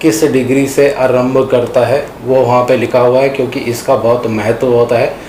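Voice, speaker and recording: Male speech, noticeable noise behind it and audible echo from the room. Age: 40s. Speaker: astrology teacher. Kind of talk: tutorial. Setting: video with slides on screen.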